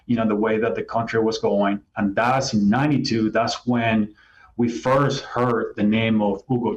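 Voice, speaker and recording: Earnest man, muffled sound. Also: medium pitch. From Venezuela. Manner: earnest, explanatory, reflective. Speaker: guest. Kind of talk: personal storytelling interview. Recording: slightly dull lo-fi sound.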